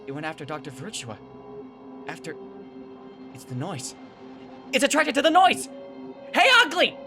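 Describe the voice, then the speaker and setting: A woman narrating a first-person horror audio drama, expressive, moving between hushed narration and excited character dialogue. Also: on the low side, moderate pace. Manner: expressive, swings from hushed to shouting. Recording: music playing behind the voice.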